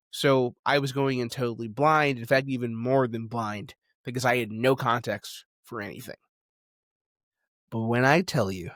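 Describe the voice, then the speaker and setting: A man delivering an opinionated video essay, stressing key words emphatically and pausing for effect. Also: medium pitch, a bit bright, dry recording, clean studio sound.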